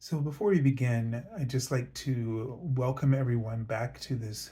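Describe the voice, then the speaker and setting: A somewhat breathy man with an American accent, medium pitch and a dark, mellow tone. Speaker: angel tarot reader. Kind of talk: spiritual reading monologue. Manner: halting, many fillers.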